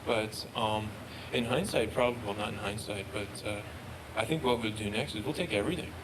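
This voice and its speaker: A man presenting research and answering questions, halting and often repeating words. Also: lowish voice. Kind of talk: research talk Q&A. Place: lecture room. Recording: noisy room recording.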